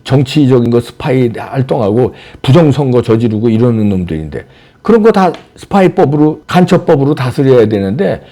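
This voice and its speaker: A man's voice: mid-range voice, expressive, fairly quick, dark tone. A man hosting a solo political commentary, combative and mocking, firing off rhetorical questions. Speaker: political commentary channel host.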